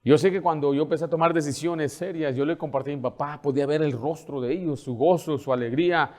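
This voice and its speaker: A male pastor preaching a sermon. He asks questions and answers them himself, slows down to read scripture, and moves between soft asides and loud, urgent appeals. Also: on the high side. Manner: swings from soft asides to loud, pressing exhortation.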